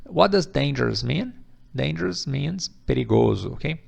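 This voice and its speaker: A Brazilian man with a Brazilian Portuguese accent teaching English pronunciation, explaining patiently, repeating words slowly and often checking with "ok?". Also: medium pitch, expressive, gravelly. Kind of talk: pronunciation lesson.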